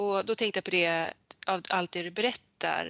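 Speaking at a medium pitch, a woman keeps a moderate pace. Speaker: podcast host, entrepreneur. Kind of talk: casual interview. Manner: enthusiastic.

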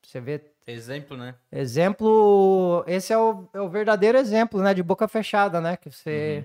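Talking at a moderate pace with hardly any pauses, a high-pitched man uses lively intonation, the sound dry and close with no echo on a very clean recording with a silent background. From Brazil, Curitiba. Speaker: sushi chef and footvolley player. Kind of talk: casual chat.

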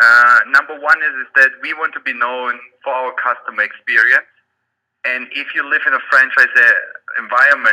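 A man speaks with a German accent. His pace is moderate. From Germany. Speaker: retail marketing executive. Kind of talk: interview. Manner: halting, many fillers and repeated words.

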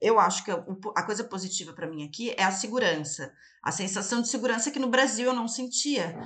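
Here a woman speaks at a moderate pace. Her pitch is fairly high and her intonation lively. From Brazil, Florianópolis. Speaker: podcaster. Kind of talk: casual chat.

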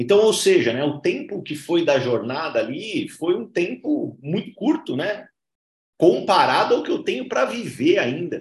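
Pitched high for a man, this voice moves at a fairly slow pace. His pitch swings very widely. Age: 30s. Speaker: network marketing trainer. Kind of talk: live stream motivational talk. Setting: live stream with chat. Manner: animated.

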